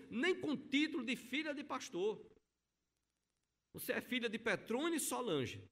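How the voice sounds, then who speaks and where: Animated high-voiced male preacher. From Brazil. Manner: storytelling, acting out quoted voices, emphatic. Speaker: pastor. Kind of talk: sermon. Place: church sanctuary.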